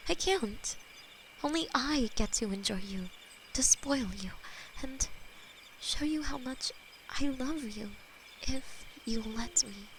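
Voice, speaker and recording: Slow, gravelly-whispered demon girlfriend, as a woman voices her, possessive and tender, crickets chirping behind. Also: sits high, voice pushed up, exaggerated voice. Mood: devoted. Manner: soft intimate whispering, halting. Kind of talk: ASMR audio roleplay. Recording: steady cricket and night noise behind.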